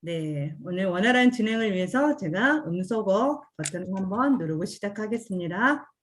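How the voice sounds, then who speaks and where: A woman's voice: medium pitch, lively intonation, moderate pace. A woman hosting a formal online event over a video call, an upbeat announcer rallying the audience. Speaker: event host.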